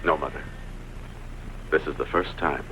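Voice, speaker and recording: A man's voice: very deep voice, unhurried, bright, forceful tone, faint music behind, full character voice, low-quality recording. A man dubbing a bold, lovestruck young gypsy in a costume film, with a teasing, theatrical manner. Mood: evasive, teasing. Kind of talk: dubbed costume-film acting.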